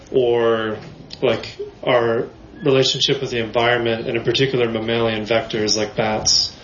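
A soft-spoken man from Kansas, an audience member and lab scientist, asking a rambling, hesitant question. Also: mid-range voice. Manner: rambling, hesitant, many fillers. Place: bookstore event audience. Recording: roomy, muffled, light hiss.

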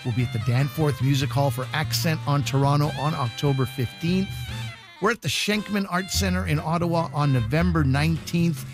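A male host gives brisk, upbeat announcements over clearly audible background music. His voice sits a little high for a man. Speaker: radio comedy show host. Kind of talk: scripted announcing.

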